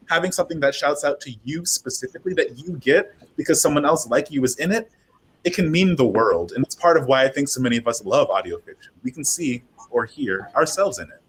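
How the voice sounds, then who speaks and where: A man speaking informally and emphatically as a panelist in a casual discussion. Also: poor audio. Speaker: panelist, audio drama creator. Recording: clear background noise with low rumble.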